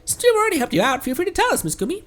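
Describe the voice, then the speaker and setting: A woman voicing a tiny, cheeky female companion sprite with a childlike squeak for a video game. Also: sing-song, rapid-fire, soft background music. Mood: chirpy, helpful.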